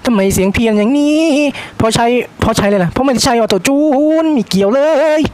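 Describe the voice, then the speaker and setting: A man's voice: very high voice, quick pace, a little mellow. A man giving playful, jokey commentary on his own racing game, chattering to himself and slipping into mock race-caller patter. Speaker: mobile racing game streamer. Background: game music.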